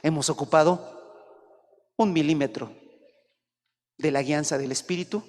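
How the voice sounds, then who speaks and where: A high-pitched male pastor delivers a sermon. He plays out conversations in lively character voices and sometimes climbs to a shout. His voice rings with the long reverb of a large hall. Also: unhurried. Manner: acts out dialogues in animated voices, rising to shouts.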